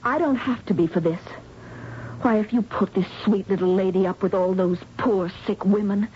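A woman's voice: medium pitch, normal speed, close to an everyday voice. Earnest young woman played by an actress, muffled radio. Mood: indignant. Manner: earnest, emotional. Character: earnest, compassionate, defiant young woman working at a clinic. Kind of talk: radio drama acting and narration. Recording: dull, noisy old radio broadcast.

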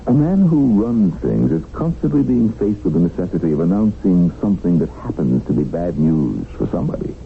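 A man's voice: low-pitched, big pitch swings, a little fast, vocal fry, few pauses, faint music behind, exaggerated voice. An actor playing a wry, unflappable businessman held hostage in a 1970s radio drama, sardonic, genial and probing. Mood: expansive, sardonic. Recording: muffled, noisy 1970s radio broadcast.

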